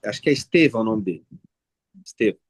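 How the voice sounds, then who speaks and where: A man's voice: on the low side, expressive, quick pace, breathy edge, no echo, studio quality. A man, a pastor in a Bible study, tells an anecdote at length and often searches for names mid-sentence.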